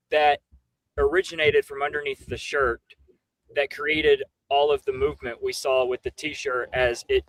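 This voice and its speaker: A man's voice: fairly high pitch, no echo, low-quality recording. A man in a casual roundtable discussion, making his argument step by step. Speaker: livestream panelist.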